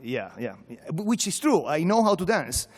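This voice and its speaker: A man's voice: fairly high pitch, big pitch swings, normal speed. A man from Venezuela with a Venezuelan Spanish accent, a professor speaking informally and emphatically at a conference, with humor, repetition and rhetorical questions. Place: large conference hall. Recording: echoey hall, long reverb.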